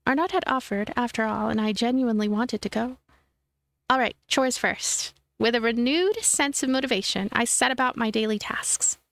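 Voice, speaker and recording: A woman's voice: a little high, normal speed, fairly bright tone, dry recording. A woman streamer reading a visual novel aloud as narration, with casual asides. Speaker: let's play streamer.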